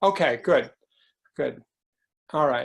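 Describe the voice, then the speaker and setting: This is a man speaking. He has an American accent. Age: 60s. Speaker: therapy skills teacher. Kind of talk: online teaching session. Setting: video call. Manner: halting, many fillers.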